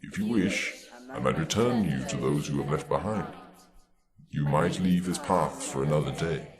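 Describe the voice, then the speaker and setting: An actor playing a solemn otherworldly gatekeeper who speaks in grave, formal pronouncements. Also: male voice, a bass voice, normal speed, a crowd in the background.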